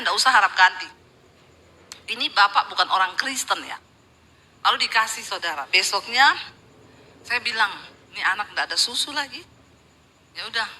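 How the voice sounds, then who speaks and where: A woman's voice: medium pitch, sharp tone, rough recording. A middle-aged woman pastor, preaching a live church sermon, telling stories with acted-out quotes and jokes.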